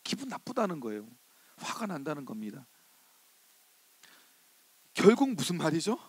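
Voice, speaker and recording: A male pastor delivering a sermon in an animated way, acting out the indignant voices of the people in the story. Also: on the high side, no room sound.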